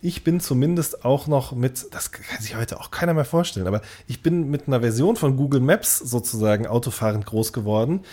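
A man's voice: mid-range voice, animated, fairly quick, hardly any pauses, dark tone. Man chatting casually on a podcast. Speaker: podcast co-host.

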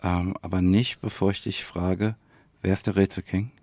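A man's voice: low voice, little pitch movement, normal speed, a little mellow, no room sound. A man, co-hosting a casual podcast chat and often tagging phrases with a questioning "ne?". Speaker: podcast co-host, quiz poser.

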